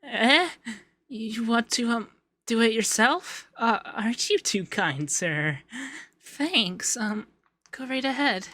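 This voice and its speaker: Guy doing a flustered coy femboy for asmr, really bright voice, stammers a lot, soft breathy bits. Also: very high voice, lively intonation, slow pace, no room sound, full character voice. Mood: teasing, flirty. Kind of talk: intimate ASMR roleplay.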